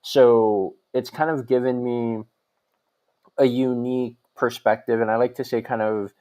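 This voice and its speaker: A man's voice: mid-range voice, little pitch movement, a little slow, warm tone. A young man from Hawaii, a podcast guest talking casually with lots of fillers and restarts. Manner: chatty, many fillers and restarts. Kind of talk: casual interview conversation.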